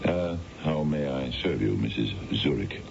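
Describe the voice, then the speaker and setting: A man's voice: lively intonation, measured pace, gravelly, exaggerated voice. An actor playing a polite, formal financial man in his fifties in a radio drama, a little hesitant. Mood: courteous. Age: 50s. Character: imposing, polite fifty-five-year-old financial man. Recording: dull, noisy old radio broadcast with rumble.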